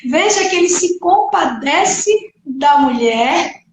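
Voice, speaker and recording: High-voiced woman pastor preaching in an echoey hall. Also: expressive, slow, a little hiss or hum. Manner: earnest preaching with frequent "né" and acted quotes. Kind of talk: sermon. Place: church hall. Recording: echoey church hall from far off.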